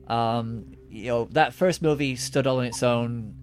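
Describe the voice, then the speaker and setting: A man's voice: mid-range voice, a little slow. Guy on a podcast, kinda rambly, lots of um and restarts, ordinary mid voice. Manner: rambling, many restarts and fillers. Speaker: podcast co-host. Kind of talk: casual chat.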